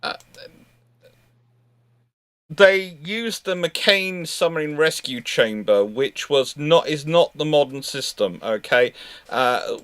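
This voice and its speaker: A man answering history questions live in an informal way, thinking aloud in a halting, discursive manner. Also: a little high, lively intonation, a bit bright, clean tone, dry recording.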